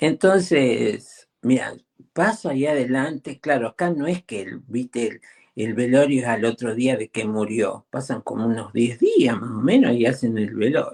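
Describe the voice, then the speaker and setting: The speaker has a Rioplatense accent and a fairly slow pace. The sound is dry and close, with no echo. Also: man, medium pitch for a man, ordinary pitch variation. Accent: Argentine Rioplatense Spanish. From Argentina, Zárate, Buenos Aires province. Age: 70s. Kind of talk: interview, casual chat.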